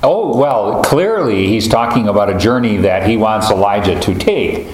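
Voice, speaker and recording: A man leading a group Bible study, talking in a halting, thoughtful way with many fillers and restarts. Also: fairly low pitch, animated, crowd noise. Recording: roomy echo, faint ambience.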